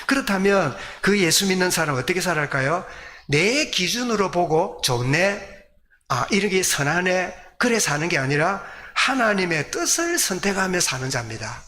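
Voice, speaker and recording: High, bright-voiced male preacher. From South Korea. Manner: didactic, asks questions and answers them himself. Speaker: pastor. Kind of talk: sermon with rhetorical questions to the congregation. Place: church service.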